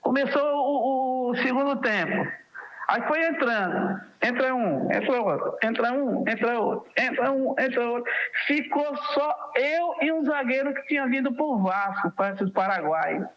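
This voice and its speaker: A man's voice: very high voice, measured pace, highs cut off. A man in his sixties with a Northeastern Brazilian accent, a former footballer telling stories as a guest and acting out the dialogue. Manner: animated storyteller who acts out quoted dialogue. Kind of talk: casual storytelling interview.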